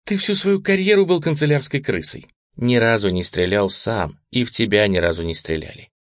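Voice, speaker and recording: A man's voice: mid-range voice, normal speed, no room sound, clean studio sound, lightly acted. Man voicing a cold, mocking female agent. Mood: contemptuous. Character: hard, sarcastic female agent interrogating a man. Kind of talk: audiobook reading.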